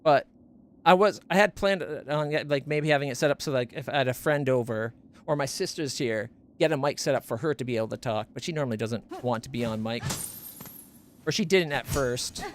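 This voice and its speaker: A man's voice: fairly quick, a little hiss or hum. A man streaming from home, chatting casually about his gear in a rambling, self-correcting way, close on a studio condenser mic. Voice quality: not very deep voice. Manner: rambling, self-correcting, stumbles over names.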